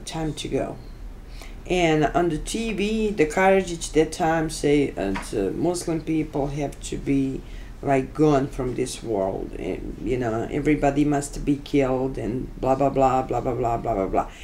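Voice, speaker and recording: A woman speaks with a Bosnian accent at a very deep, low pitch and a fairly slow pace. Her intonation is lively, with light background noise behind her. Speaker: genocide survivor. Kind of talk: interview answer. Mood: earnest, animated recounting. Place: home room.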